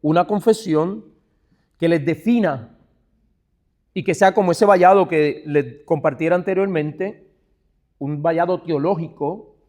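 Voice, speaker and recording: Higher-voiced Puerto Rican pastor preaching. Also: male voice. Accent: Puerto Rican Spanish. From Puerto Rico. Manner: addresses listeners as brother, asks rhetorical questions; swings from hushed asides to emphatic stressed phrases. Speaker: pastor teaching other pastors. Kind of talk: church teaching talk.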